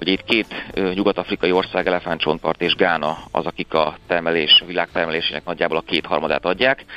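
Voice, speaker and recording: Fairly quick, fairly even-toned speech over noticeable background noise. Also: man. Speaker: commodities trader. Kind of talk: interview, market overview.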